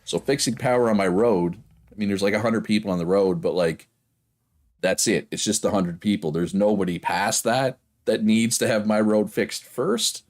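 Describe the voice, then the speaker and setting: Man, low-pitched voice, Prince Edward Island Canadian accent, casual rambling livestream chat. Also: normal speed. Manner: rambling, often checks with "right?". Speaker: game livestreamer.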